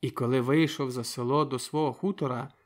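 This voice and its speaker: A man reading a novel aloud as an audiobook narrator, in calm, measured storytelling. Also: mid-range voice. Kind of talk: scripted literary narration.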